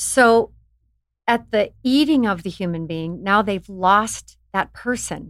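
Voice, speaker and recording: A woman with an American accent speaks at a very slow pace. The recording is very clean, with a silent background. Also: medium pitch for a woman, ordinary pitch variation. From Colorado, US. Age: 50s. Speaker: psychologist. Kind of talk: interview.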